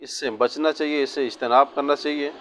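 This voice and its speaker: A man speaking as a Muslim cleric, giving religious guidance in a didactic, measured way with short segmented phrases. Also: mid-range voice, steady tone. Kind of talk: religious sermon answering a question on Islamic rulings.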